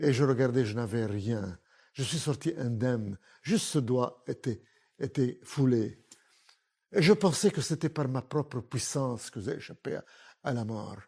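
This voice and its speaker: A man's dark, mellow, somewhat breathy voice at a fairly slow pace with long, frequent pauses, on a very clean recording with a silent background. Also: medium pitch for a man, lively intonation. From Lebanon. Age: 80s+. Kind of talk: testimony.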